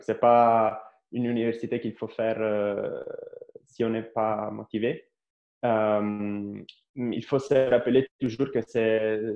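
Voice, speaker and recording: A man in his thirties with an Italian accent, an astrophysicist answering interview questions with many pauses, fillers and restarts. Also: on the low side. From Italy. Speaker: astrophysicist guest. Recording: echoey, dull lo-fi live stream.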